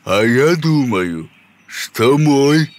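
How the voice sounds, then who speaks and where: A man's voice: mid-range voice, animated, extremely slow. A man voicing a fierce, sly forest spirit monster in a folk-tale cartoon, menacing and mocking. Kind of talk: animated folk-tale character acting. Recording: music behind the voice.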